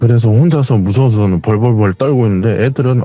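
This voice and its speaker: A man is speaking. Music plays in the background. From rural mountain village in Korea. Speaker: viewer telling a true ghost story. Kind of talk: personal ghost story told in an interview.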